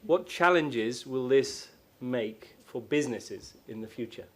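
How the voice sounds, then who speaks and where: A man acting as question master, announcing a competition to an audience in a formal, measured way, slowing down on key phrases. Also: medium pitch, lively intonation.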